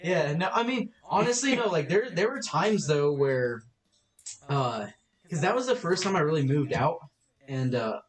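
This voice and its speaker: A man's voice: a little high, lively intonation, moderate pace. A young man hosting a casual podcast chat, laid-back, filling his talk with "like" and "dude". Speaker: podcast host. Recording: echoey playback in the audio.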